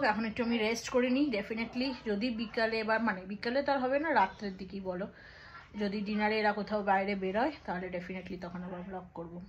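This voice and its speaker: High-voiced Indian Bengali woman vlogging casually. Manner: mixes English words into Bengali. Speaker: family vlogger. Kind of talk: casual vlog chat. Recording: clear background vehicle and ambient noise.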